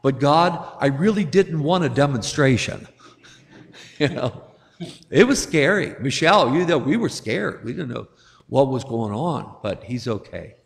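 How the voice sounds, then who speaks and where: Slow-preaching priest in a reverberant church. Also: male voice, mid-range voice, lively intonation, creaky. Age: older. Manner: gentle, storytelling, chuckles at his own jokes. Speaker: Catholic priest. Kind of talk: sermon.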